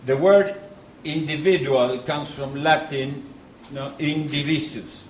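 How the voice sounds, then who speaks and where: A middle-aged man from Argentina with an Argentine Spanish accent, giving a conference lecture in a measured way with pauses and restarts. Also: fairly high pitch, fairly even intonation. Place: conference hall. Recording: echoey hall with faint noise.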